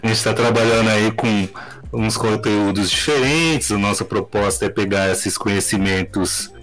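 Man, deep-ish voice, loose filler-heavy chat, clipping distorted mic audio, video call. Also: normal speed, soft background music. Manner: relaxed, rambling, filler-heavy. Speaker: podcast host. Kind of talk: casual podcast chat.

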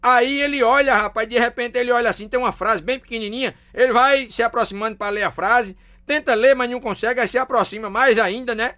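A middle-aged man with a Northeastern Brazilian accent telling crude jokes in a lively, slangy style. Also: extremely high pitch, fast talker. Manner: lively storyteller, slangy, laughs at own punchlines, acts out squealing women. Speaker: joke teller.

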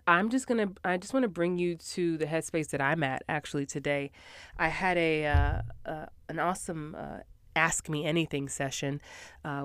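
Woman podcast host, low smooth voice, a bit congested, chatty and upbeat, dry booth sound. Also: dry recording. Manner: chatty, upbeat, many fillers. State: stuffy from a cold. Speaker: podcast host, actor coach. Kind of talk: casual podcast monologue. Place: small home voiceover booth in a former closet.

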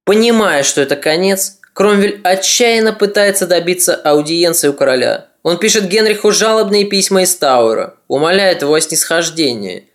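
A podcast narrator reading scripted history in a measured, dramatic storytelling manner. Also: medium pitch, animated.

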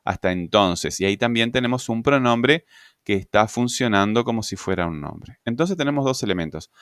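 A man's voice: mid-range voice, expressive, a bit bright, no room sound, clean studio sound. A man explaining grammar in a recorded lesson, hesitating often and checking in with tag questions. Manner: halting, many fillers and tag questions. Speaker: grammar teacher.

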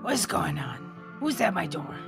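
A woman playing a bumbling female zombie who talks in halting broken English. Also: on the low side, very animated, gravelly, loud music behind the voice, full character voice. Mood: grumpy. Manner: halting, broken phrasing, sudden loud outbursts. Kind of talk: improv comedy sketch.

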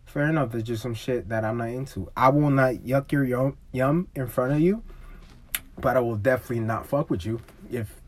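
A man's voice: mid-range voice, moderate pace. A man co-hosting a casual conversation, blunt and heavily profane. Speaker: podcast co-host. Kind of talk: crude casual chat.

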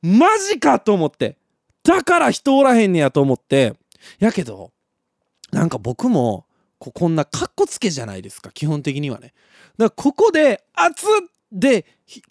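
A young man with a Kansai accent, hosting a live radio show and telling stories in a casual, animated way. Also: sits high, dry recording, clean studio sound. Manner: animated storytelling, laughs at his own story.

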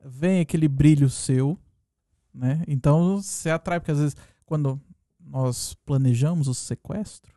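A man co-hosting a casual chat, speaking gently and earnestly. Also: on the high side, measured pace, no echo, clean studio sound. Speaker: podcast co-host.

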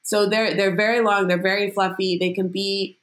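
A woman chats as a podcast guest, her pitch sitting in a middle range. She talks in a loose, rambling way, piling in filler words as she builds a story. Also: flat delivery, normal speed. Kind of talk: casual chat.

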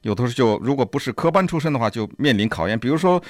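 A man's voice: mid-range voice, lively intonation, racing, no echo, studio quality. A man co-hosting a radio talk show, explaining points with many examples in a casual, chatty way. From China. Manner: explains with many examples, chuckles at language traps. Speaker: radio co-host.

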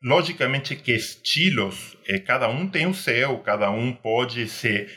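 A middle-aged man from Argentina with an Argentine Spanish accent, a native Spanish speaker, speaking as an interview guest in a reflective, measured way with hesitant restarts. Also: mid-range voice, animated, sharp tone. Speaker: guest, security industry executive. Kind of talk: online panel interview.

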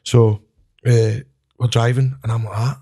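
A man with a Scottish accent telling animated, swearing-laced stories as a wrestler guest in casual chat. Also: medium pitch, unhurried, breathy edge. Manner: animated, swears, laughs at his own stories.

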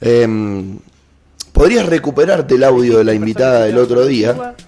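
A man with an Argentine accent co-hosting a casual live show, telling stories in an animated, joking way. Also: medium pitch, normal speed, crowd noise. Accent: Argentine Spanish. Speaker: co-host. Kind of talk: casual live-stream chat. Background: music playing.

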